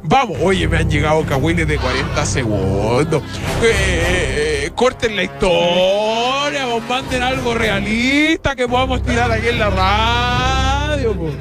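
A woman's voice: medium pitch, unhurried. A young Chilean woman hosting radio with playful banter, her voice put through a voice-changer effect, close on a studio mic. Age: young adult. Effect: voice-changer distortion. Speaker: radio host. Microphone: close studio microphone on arm, headset. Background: music bed.

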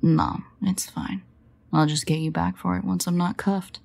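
A woman playing a sardonic, guarded but fond vampire in an intimate audio roleplay, wry and hesitant in manner, with a husky, gravelly voice. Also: on the low side, fairly even intonation, measured pace, a little mellow, heavily acted. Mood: teasing.

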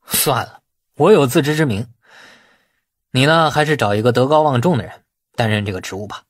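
A man's voice: mid-range voice, fairly quick, lightly acted. A man voicing a blunt, shrewd, grumbling boss in an audiobook novel, talking colloquially. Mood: casual.

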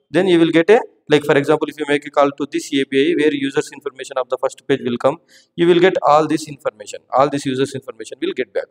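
A man explaining a software topic step by step in a screen-share tutorial, often restarting words as he goes. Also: fairly high pitch, in a large hall, low-quality recording. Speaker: tutorial instructor.

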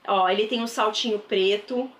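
In her bedroom with a wardrobe, a thrift vlogger in her thirties with a Brazilian Portuguese accent talks enthusiastically to viewers during a casual haul. Her voice is medium-pitched and a bit bright, with fairly even intonation at a moderate pace, captured on a close camera mic.

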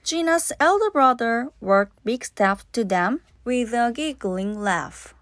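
A woman's voice: a little high, expressive, slow pace, fairly bright tone, dry recording, clean studio sound. A woman reading scripted narration for a children's audiobook. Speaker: storybook narrator.

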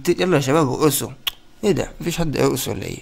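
Rapid, excitable Egyptian gaming host. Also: male voice, on the high side, gravelly. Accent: Egyptian Arabic. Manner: excitable, chatty, keeps addressing viewers. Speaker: gaming YouTuber. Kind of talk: let's-play commentary.

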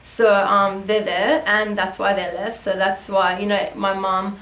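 A young adult woman from Australia, whose first language is Armenian, rambles through a casual beauty vlog Q&A with lots of ums and restarts. She speaks a little slowly in a mid-range, fairly bright voice with a flat delivery. Her small bedroom gives the audio a roomy sound.

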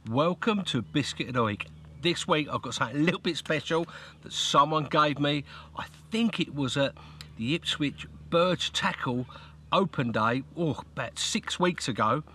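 A man's voice: on the high side, expressive, moderate pace, bright, forceful tone, slight background noise. Chatty man vlogging by a lake. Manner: chatty, repeats "look" often, coos at his dog. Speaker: fishing vlogger. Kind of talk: casual outdoor vlog. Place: beside a lake, outdoors by a tent. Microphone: handheld camera close to face.

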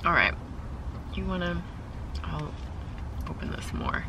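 A woman's voice: lowish voice, big pitch swings, slow, vocal fry, very noisy. A woman in her thirties vlogging from inside a parked car, chatting effusively about her food and cooing at her cat. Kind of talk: casual food-tasting vlog chat. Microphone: camera mounted on the dashboard.

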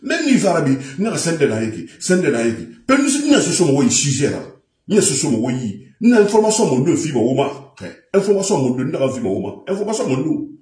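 Emphatic man with a lively, mellow voice. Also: fairly high pitch, a little fast, reverberant. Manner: emphatic, repetitive, mixing French and a local language. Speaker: commentator addressing communicators. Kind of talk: impassioned monologue.

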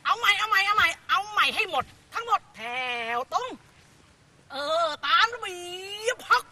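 A woman's voice: very high voice, lively intonation, moderate pace, heavy background noise. An actress playing a brash, bossy schoolteacher who scolds her pupils in a sitcom. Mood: exasperated. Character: bossy loud female schoolteacher. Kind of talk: sitcom acting.

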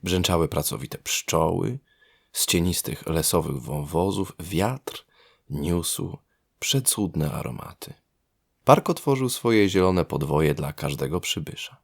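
A man narrating a scripted fairy tale as a storyteller, in a lyrical, expressive manner. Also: low voice, takes it slowly, creaky, breathy edge.

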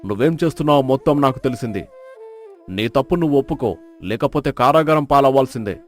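A man's voice: medium pitch, expressive, quick pace, natural voice. A man playing a stern village authority in a dramatized moral story, interrogating and commanding. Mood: stern, threatening. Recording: flute music behind the voice.

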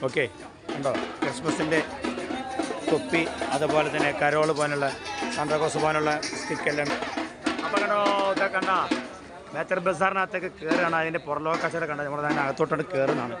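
A man's voice: a little high, flat delivery, fast talker, over loud music. A man with a Kerala accent gives casual, enthusiastic, repetitive walking vlog commentary, mixing English words into Malayalam. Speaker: vlogger. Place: crowded street market. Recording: busy outdoor market crowd noise.

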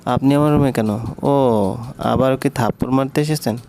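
A man's voice: medium pitch, moderate pace, a little hiss or hum, close to an everyday voice. A man voicing a sulky stubborn college girl. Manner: petulant, sharp retorts.

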